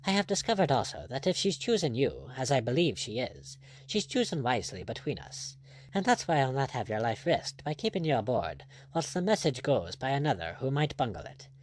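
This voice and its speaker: A man's voice: mid-range voice, big pitch swings, fairly quick. A man voicing a gallant, ironic pirate captain in an audiobook, teasing and courtly in manner. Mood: earnest, wistful.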